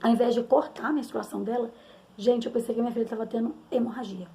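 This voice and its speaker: Candid Brazilian mother, mellow higher voice. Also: fairly even intonation, fast talker, creaky, slight background noise. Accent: Brazilian Portuguese. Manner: candid, rambling storytelling with frequent tag questions. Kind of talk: personal testimony, conversational.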